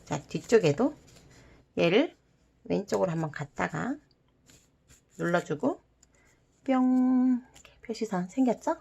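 A woman's voice: mid-range voice, lively intonation, a little slow, gravelly, pauses often, a little mellow, breathy edge. A woman giving step-by-step craft instructions to children, repeating steps simply and dropping in playful little sound words. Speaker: host of a children's origami tutorial.

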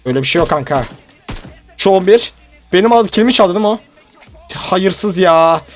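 A young man with a fairly high voice rattles off lively, joking commentary as he plays a mobile shooter, egging on teammates and talking to his viewers. Gunfire and faint music run behind him. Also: quick pace. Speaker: gaming YouTuber. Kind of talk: live mobile game commentary. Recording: game sounds and music behind.

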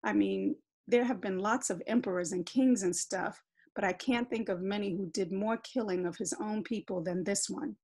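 A woman voicing a gloomy teenage boy who speaks in a flat, toneless way. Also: medium pitch, moderate pace, breathy edge, natural voice. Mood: deadpan. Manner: toneless, deadpan. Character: gloomy deadpan teenage boy, the girl's brother.

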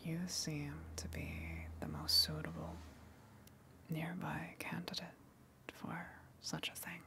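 A woman voicing a gentle, lonely female tentacle monster in a breathy, halting whisper, as an ASMR roleplay. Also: sits low, sing-song, heavily acted. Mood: tender, lonely. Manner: soft, halting, reassuring.

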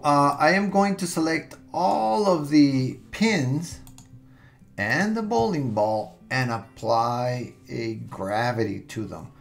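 This is a step-by-step software walkthrough from a man at his computer, soft music running beneath him. He speaks in a mid-range voice with vocal fry, easygoing and thinking out loud, full of fillers and restarts.

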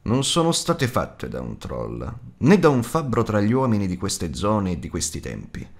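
A man voicing an old male wizard in an audiobook, speaking in a measured, authoritative way. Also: on the low side, wildly swooping pitch. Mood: thoughtful. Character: old male wizard, wise, curt and commanding. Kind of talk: audiobook character voice.

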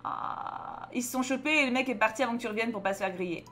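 A young woman with a French accent and a bright, rather high voice delivers fast, expressive commentary on a story game, with faint music behind her. The streamer is chatty and joking, reading dialogue aloud and swinging between loud outbursts and mutters.

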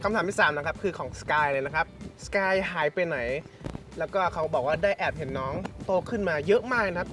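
A man's voice: on the high side, fairly quick. A young adult man politely reading out fan questions during an outdoor family chat by a lake. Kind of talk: casual Q&A chat. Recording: distant voice with faint music.

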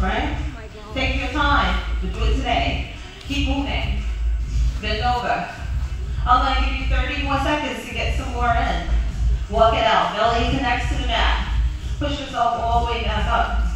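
A woman leading a gym class as a fitness instructor, counting reps and giving blunt, teasing cues. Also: fairly high pitch. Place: large gym studio, indoors. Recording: echoey gym from far off, music behind.

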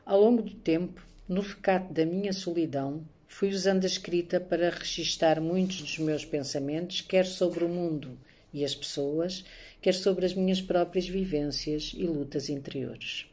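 A middle-aged woman, born and raised in Angola, introduces herself as a poet and maths teacher and reads poetry. Her voice is low and her recitation soft and measured, recorded indoors in a room at home on a phone camera held at arm's length.

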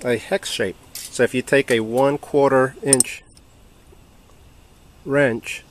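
A man casually comparing two tools on a workbench, relaxed and halting, with many ums and uhs. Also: medium pitch, slight background noise. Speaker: hobby channel host reviewing tools. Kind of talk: casual hands-on product comparison.

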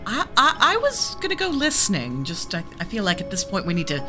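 A woman playing an earnest seer in a fantasy role-play game, thoughtful and deliberate. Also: mid-range voice, wildly swooping pitch, music in the background. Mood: earnest, intent. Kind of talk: in-character tabletop role-play.

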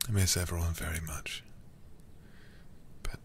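A man playing a weary, tender knight in a whispered role-play, speaking slowly and haltingly to a lover, close to the microphone. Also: steady tone, a little hiss or hum. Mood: tender, wistful. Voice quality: breathy whisper with gravelly low edge. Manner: slow, halting, intimate, tender knightly speech.

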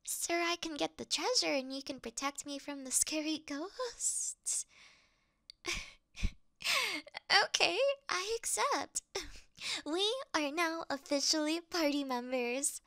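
A woman's voice: sits high, animated, slow, pushed and bright, dry recording, clean studio sound, full character voice. A woman voicing a clumsy, easily scared young female thief who acts tough in an ASMR roleplay, flustered, pouty and stammering. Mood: sheepish, relieved.

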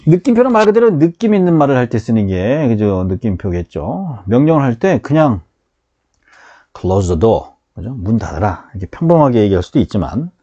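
Lively man teaching beginner grammar. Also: medium pitch, moderate pace, slightly rough, highs cut off. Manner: lively, drills students with call-and-repeat. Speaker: English teacher.

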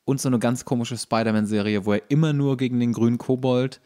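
A man's voice: medium pitch, steady tone, fast, dark tone. A man co-hosting a casual podcast chat, explaining trivia at length and in detail. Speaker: podcast co-host.

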